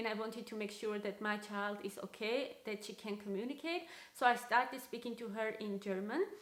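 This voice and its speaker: Over noticeable background noise, a woman with a fairly high voice speaks at a fairly quick pace with hardly any pauses and ordinary pitch variation. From Armenia. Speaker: mom vlogger. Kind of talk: casual talk to camera.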